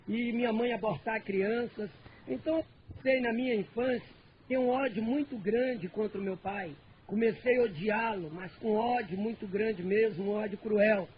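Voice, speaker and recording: A man with a Brazilian accent giving an earnest church testimony, repeating phrases for emphasis. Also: very high-pitched. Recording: dull lo-fi recording with faint noise.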